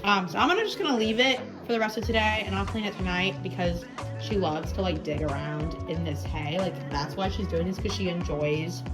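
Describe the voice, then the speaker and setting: A young woman vlogging at home, talking to her guinea pigs and sometimes slipping into high, sing-song baby talk. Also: a little fast. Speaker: vlogger, pet owner. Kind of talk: casual vlog, cooing to pets. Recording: loud background music. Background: loud music.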